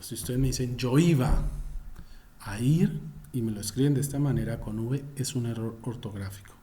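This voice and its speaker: A man's voice: lowish voice, dark tone. A man teaching a Spanish class, explaining spelling rules emphatically and spelling words out letter by letter.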